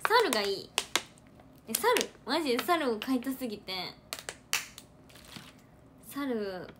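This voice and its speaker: A young woman from Hyogo with a Kansai accent, chatting casually on a livestream into a phone, animated and repeating words for emphasis. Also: fairly high pitch, slow pace, background noise. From Hyogo, Japan. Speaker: idol trainee livestreamer. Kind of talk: casual livestream chat reading comments.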